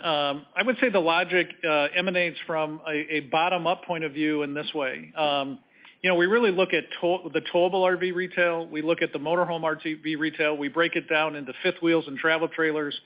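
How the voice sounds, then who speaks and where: A man speaking as a company executive on an earnings call, answering in measured, halting corporate phrasing. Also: fairly high pitch. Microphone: conference call line. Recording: slightly dull conference call audio.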